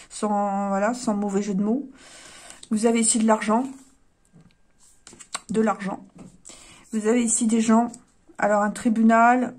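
A woman giving a casual tarot card reading, hesitant and apologetic, often pausing and sighing. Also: medium pitch, darkish tone, husky. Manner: hesitant, apologetic, with frequent fillers and sighs.

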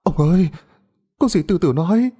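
A man's voice: high-pitched, lively intonation, normal speed, warm tone, husky, pitched above the performer's own voice. A man voicing a distraught middle-aged peasant mother who wails and pleads. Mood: pleading. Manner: wailing, pleading.

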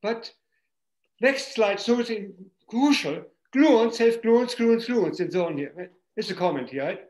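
A man's voice: sits high, a little slow, a little mellow. A man on a video call who speaks in short, clipped remarks and keeps repeating "here" and "right?". He sounds echoey, as if he is sitting in a bare room. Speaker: audience member asking questions. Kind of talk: questions during a video colloquium. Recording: roomy video call audio.

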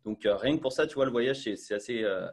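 Young guy on a video call, earphone mic, lots of ums and restarts, average pitch. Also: quick pace. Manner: chatty, full of fillers and restarts. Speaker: guest. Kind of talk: casual video-call interview. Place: small bright room indoors.

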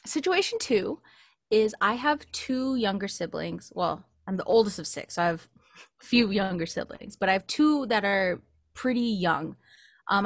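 A woman's voice: medium pitch, no echo. An American woman in her late twenties chatting casually as a podcast co-host, telling personal stories into a close studio mic. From California, United States. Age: late 20s. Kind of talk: casual chat, personal anecdotes. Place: small indoor home recording setup. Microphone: close studio mic with pop filter.

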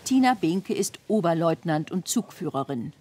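A woman's voice: fairly low pitch, very animated, moderate pace, noisy background. A woman reading scripted narration for a television documentary report.

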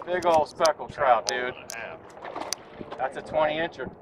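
A man fishing with a friend, whooping and calling out excitedly over his catch on a boat. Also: on the high side. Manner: whooping, gravelly, drawn-out exclamations. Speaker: fishing buddy. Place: outdoors on a boat on open water. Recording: loud wind noise on the mic.

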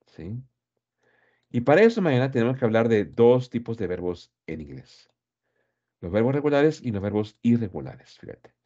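A man's voice: mid-range voice, animated, moderate pace, warm tone, dull audio. A man teaching English grammar in Spanish, who explains patiently and drills pronunciation by repeating each word several times.

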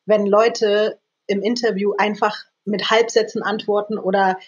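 Woman, 30s, podcast guest, talkative and giggly, husky tone, slightly dull recording. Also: mid-range voice, flat delivery, measured pace. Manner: talkative, laughs often, speaks at length. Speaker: guest, presenter and author. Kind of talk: casual interview.

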